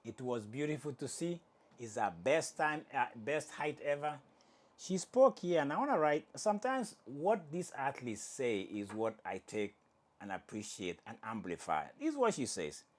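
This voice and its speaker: A sports commentary show host, a native Swahili speaker, keeps things casual, joking around and fixing his own slips. His medium-pitched voice moves at a moderate pace, full of animation.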